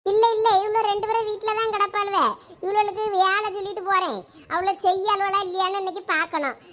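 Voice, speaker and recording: A woman's voice: very high-pitched, steady tone. A woman voicing a bossy village mother in a cartoon, scolding her daughters with a Thoothukudi Tamil accent. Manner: sharp scolding, rapid nagging. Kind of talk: cartoon voice acting.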